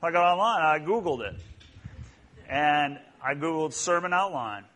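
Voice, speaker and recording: A middle-aged man, a state police officer, giving a personal sermon in a halting, self-deprecating way with many fillers. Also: fairly high pitch, lively intonation, sharp tone.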